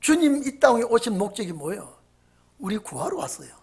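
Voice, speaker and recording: Animated husky-voiced preacher. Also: male voice, very high-pitched, brisk. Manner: animated, storytelling, dramatic swings in volume. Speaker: pastor. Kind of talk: sermon.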